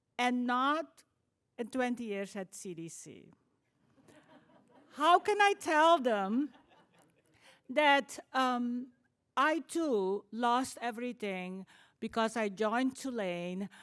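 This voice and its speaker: A woman's high voice with a non-native accent, very wide pitch swings, big swings in loudness and long, frequent pauses. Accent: foreign. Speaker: dean of a public health school. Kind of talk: conference talk.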